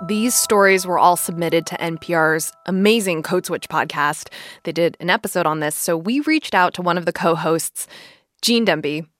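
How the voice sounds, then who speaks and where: A woman's voice: lowish voice, moderate pace, a bit bright, dry recording, faint music behind. A woman hosting a podcast in a conversational narration and interview style, recorded close on a microphone. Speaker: podcast host. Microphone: close studio microphone.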